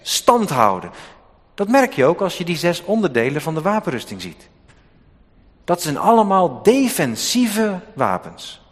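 A man preaching a sermon, with sharp swings in loudness and emphasis. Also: a little high, big pitch swings, a little slow. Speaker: pastor. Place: church. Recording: long hall reverb.

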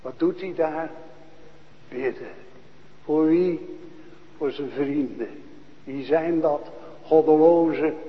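A man preaching a sermon to a congregation, asking questions and answering them, dropping to a hush and then rising to loud proclaiming. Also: on the high side, long reverb tail, muffled recording. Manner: slow, questioning, swings from hushed to loud proclaiming. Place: church.

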